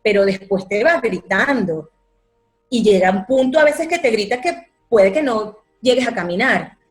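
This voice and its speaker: A woman, a yoga teacher calmly explaining her practice in an interview. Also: fairly high pitch, moderate pace, soft background music. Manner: calm, explanatory, repeats words for emphasis. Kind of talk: interview answer.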